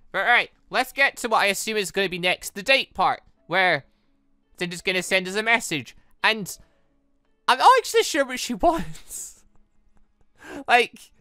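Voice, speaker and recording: A man's voice: sits high, smooth, no echo. A man giving casual let's play commentary as a gaming host, rambling and often interrupting himself as he reacts. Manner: rambling, animated, self-interrupting.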